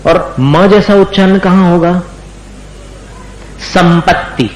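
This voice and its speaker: A fairly high-pitched, animated man with a slightly mellow tone teaches recitation as a religious instructor, patiently repeating words slowly for students to copy. The rough recording has a roomy sound and a little hiss or hum.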